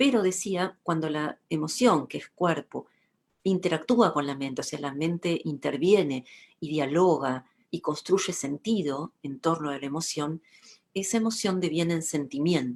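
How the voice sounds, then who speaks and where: A woman's plain, everyday voice, fairly low in pitch, at a fairly slow pace with lively intonation and big swings in loudness. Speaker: speaker on emotions. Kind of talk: talk to a live audience.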